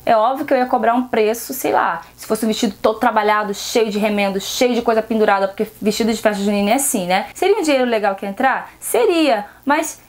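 A woman's voice: a little high, quick pace, hardly any pauses. A seamstress with a Brazilian Portuguese accent talks frankly to her viewers in a casual advice vlog, often asking rhetorical questions. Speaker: seamstress vlogger.

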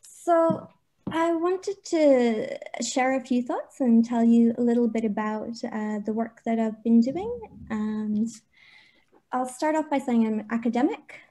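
Irish woman, measured academic presenter, mellow warm tone, video call. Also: fairly high pitch. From Ireland. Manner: measured, with frequent uh fillers. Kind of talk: webinar presentation. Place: home or office on a video call.

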